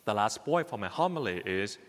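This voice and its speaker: A man with a Vietnamese accent, from Vietnam, preaching a Catholic homily in an emphatic, repetitive way with simple, halting English. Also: on the low side, big pitch swings, in a large hall. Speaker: Catholic priest.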